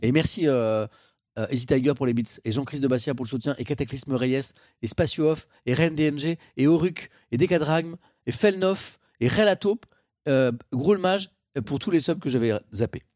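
A man's voice: medium pitch, normal speed, a little mellow, no room sound, studio quality. A man, a live streamer chatting casually, given to theatrical mock exasperation and swearing.

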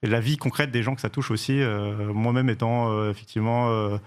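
A man in his thirties speaks quickly, piling up fillers and restarting his sentences. His pitch sits in an ordinary middle range as he lays out his view in a political discussion. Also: fairly even intonation, clear, resonant tone. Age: 30s. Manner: fast, hesitant, many fillers and restarts. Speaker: journalist and campaign organizer.

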